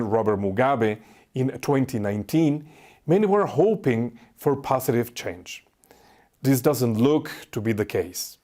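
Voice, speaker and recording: A man's voice: medium pitch, a little mellow. A male program host who reads a scripted introduction and then asks questions, often stumbling and repeating words. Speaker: interview host.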